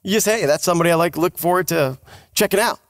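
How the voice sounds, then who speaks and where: A man's voice: high voice, fast, no room sound, clean studio sound. A man hosting a podcast in a casual, informal and encouraging way. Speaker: podcast host. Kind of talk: casual chat.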